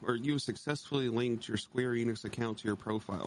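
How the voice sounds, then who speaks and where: Delivered at a fairly quick pace, this is an unremarkable speaking voice. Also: man. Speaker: podcast co-host. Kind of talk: casual banter.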